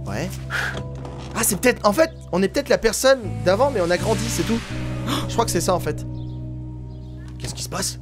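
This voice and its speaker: A man giving chatty, excitable let's-play commentary and laughing often over game music. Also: sits high, normal speed, long pauses. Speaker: gaming youtuber. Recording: game music playing behind.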